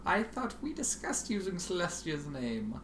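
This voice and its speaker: A man voicing a cruel female pony sorceress from a story, taunting in a drawn-out, theatrical way. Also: high-pitched, sing-song, voice pushed up. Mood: mocking. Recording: roomy, faintly noisy home recording.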